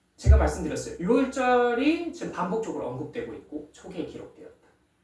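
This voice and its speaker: A man talks at a fairly quick pace. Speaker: preacher. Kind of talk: sermon.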